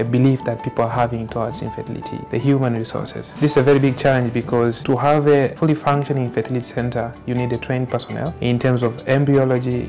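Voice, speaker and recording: Man with a gravelly, flat voice. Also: mid-range voice. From Tanzania. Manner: measured, explanatory, with frequent "uh" fillers. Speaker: obstetrician-gynecologist. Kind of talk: documentary interview.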